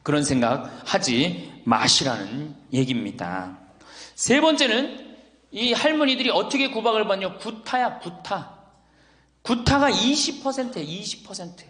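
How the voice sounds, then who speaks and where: Middle-aged male priest, high lively delivery, playful lecture, long hall reverb. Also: unhurried. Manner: lively, teasing, rhetorical questions to the audience. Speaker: Catholic priest giving a lecture. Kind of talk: humorous lecture to elderly audience.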